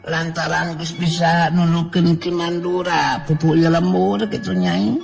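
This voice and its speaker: A man's voice: on the high side, level tone, unhurried, gravelly, soft background music, voice pushed up. A man voicing an elderly village woman who keeps a food stall and fusses over her guest in a storybook tale. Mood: chatty. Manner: fussing, explaining, doting.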